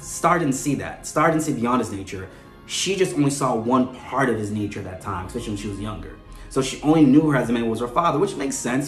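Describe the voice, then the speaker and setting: Male commentator, mid-pitched, conversational and chatty host delivery, recorded with noticeable room echo. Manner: chatty, often ends points with a questioning "right?". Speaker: host of a soap opera fan show. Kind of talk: conversational character analysis commentary. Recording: roomy echo with music underneath. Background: background music.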